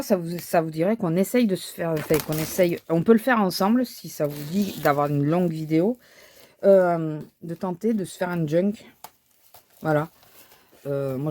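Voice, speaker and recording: Lady crafting at her desk, lowish mellow voice, umms a lot while she thinks. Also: slight background noise. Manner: thinking aloud, hesitant, many fillers and restarts. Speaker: crafting vlogger. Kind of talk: casual chat while crafting.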